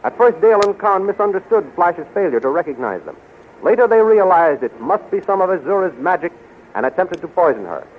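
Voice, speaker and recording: A man's voice: high-pitched, very animated, fairly quick. A man announcing and narrating a 1930s radio adventure serial in a dramatic, declamatory scripted style. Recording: scratchy, tinny 1930s radio recording.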